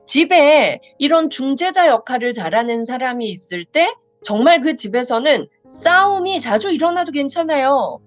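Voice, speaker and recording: A woman lecturing live with a fairly high voice that swings widely up and down. She speaks emphatically, repeats key points and keeps adding quick little affirmations. Faint music sits behind her. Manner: animated, emphatic, acts out example dialogues and repeats points; frequent affirming "yes" fillers. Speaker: lecturer on family communication.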